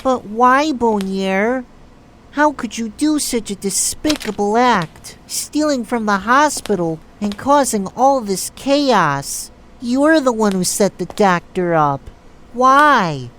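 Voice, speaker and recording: A woman playing a nosy, indignant amateur snoop in an audio drama, speaking expressively and deliberately. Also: on the high side, a little hiss or hum, rough recording. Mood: accusing. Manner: expressive, deliberate, talks aloud to herself.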